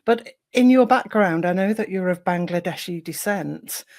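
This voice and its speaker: A woman's voice: fairly low pitch, moderate pace, a little mellow. A woman hosting an interview podcast, reading an introduction and asking encouraging questions. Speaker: podcast host.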